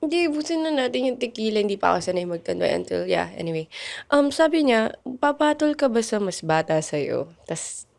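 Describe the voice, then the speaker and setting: A woman's voice: a little high, creaky. Candid Filipino woman telling stories. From Philippines. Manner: candid, mixes English and Tagalog, quick animated storytelling with laughs. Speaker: guest. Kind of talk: casual interview chat.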